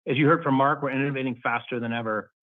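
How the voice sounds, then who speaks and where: A man speaking as a company executive, reading a prepared earnings call presentation in a formal, measured corporate manner over a phone-like conference line. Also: medium pitch, fairly even intonation, no echo.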